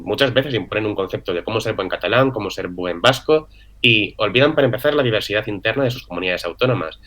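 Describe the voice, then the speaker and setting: A man's voice: on the low side, sharp tone. A young man from the Canary Islands, speaking in an interview and arguing his views earnestly, with many fillers and tag questions. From Canary Islands, Spain. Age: young adult. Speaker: interview guest. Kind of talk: political interview answer.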